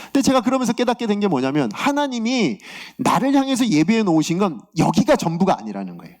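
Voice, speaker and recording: A man's voice: high-pitched, quick pace. A male pastor giving a sermon, telling a personal story and acting out the words he heard in prayer. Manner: animated, acts out God's words in a raised voice; confessional storytelling about his own week.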